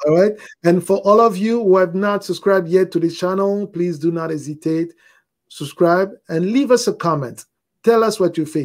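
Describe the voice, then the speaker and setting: A high-pitched man with a French accent speaks with ordinary pitch variation. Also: moderate pace. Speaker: video production tutor and live stream host. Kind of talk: live stream tutorial closing chat. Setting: live stream. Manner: halting, with fillers and restarts.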